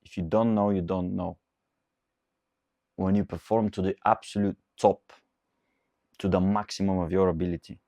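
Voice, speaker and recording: A man's voice: deep voice, darkish tone, dry recording, studio quality. A man in his twenties, a coach, giving an earnest, repetitive motivational talk. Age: 20s. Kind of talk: motivational monologue.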